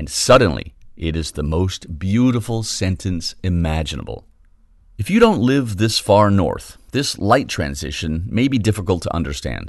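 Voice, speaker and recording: A man's fairly low, unremarkable speaking voice with lively intonation at a moderate pace, over a quiet background. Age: 50s. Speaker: podcast host. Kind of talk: scripted narration.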